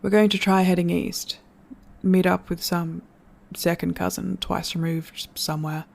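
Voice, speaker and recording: An actor playing a reflective storyteller in an audio drama, giving an earnest, measured farewell address to listeners. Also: medium pitch, steady tone, gravelly. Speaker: narrator.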